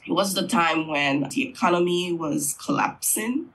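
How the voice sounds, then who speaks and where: A middle-aged man from Haiti, a Creole language teacher, answering interview questions in an unhurried, thoughtful way with frequent fillers. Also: fairly high pitch, fairly bright tone, slight background noise, rough recording.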